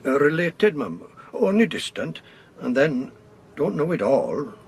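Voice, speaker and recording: Rustic manservant, male, fairly high voice, hesitant, deferential, folksy, radio horror drama, faint background noise. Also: big pitch swings, unhurried, gravelly, full character voice. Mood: reluctant, brooding. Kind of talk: BBC radio horror play acting.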